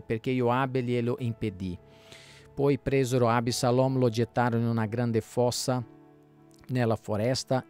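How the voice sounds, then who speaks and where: A man, a pastor, reading scripture aloud in a steady, measured way. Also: medium pitch, clear, resonant tone. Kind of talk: Bible reading.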